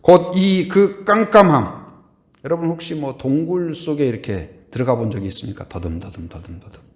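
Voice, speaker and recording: A man preaching a sermon as pastor, asking the congregation questions and answering them, swinging from loud to hushed and trailing off on repeated words. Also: fairly high pitch, animated, moderate pace, reverberant. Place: church sanctuary.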